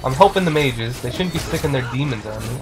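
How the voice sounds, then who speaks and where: A man's voice: mid-range voice, expressive, fast talker, loud music behind the voice. A man giving loose, joking let's play commentary while he plays, swearing freely. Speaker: gamer.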